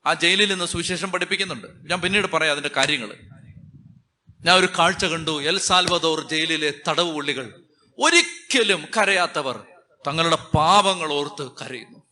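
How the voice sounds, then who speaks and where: A man's voice: a little high, moderate pace, bright, forceful tone. A man with a Malayali accent, a Catholic priest preaching a sermon with emphatic, repeating phrases.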